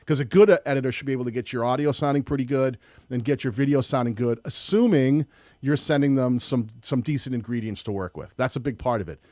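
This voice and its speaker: A man with a loud voice hosting a live-streamed tutorial, chatty and rambling with frequent restarts. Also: medium pitch, fast, no room sound, clean studio sound. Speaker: host.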